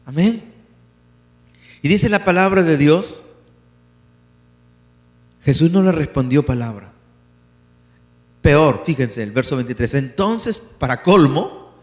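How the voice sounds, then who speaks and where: A man preaching a sermon as pastor, animated and acting out biblical voices. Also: a little high. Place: church hall. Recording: church hall reverb with mains hum.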